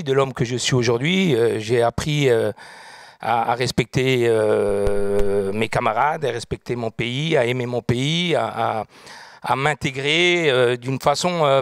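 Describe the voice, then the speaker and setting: This is a middle-aged man, answering questions on a studio set into a handheld mic. He talks in a halting way, full of fillers, and turns more earnest as he goes on. His voice sits at an average pitch, and the sound is dry and close, with no room echo. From France. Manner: hesitant, many fillers, grows more earnest. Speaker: guest, restaurant group founder.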